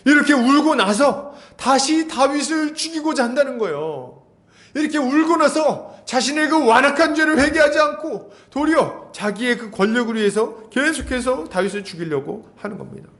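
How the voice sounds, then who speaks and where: A man's voice: very high voice, lively intonation, normal speed, a bit bright. A man pastor preaching an expository sermon, emphatic, acting out Bible scenes and asking the congregation rhetorical questions.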